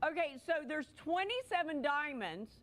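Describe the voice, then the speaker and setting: A woman's voice: high-pitched, very animated, normal speed, a crowd in the background. A woman presenting on a home shopping broadcast, chatty and playful while describing jewelry. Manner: playful, chatty, teasing co-host. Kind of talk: live on-air sales pitch.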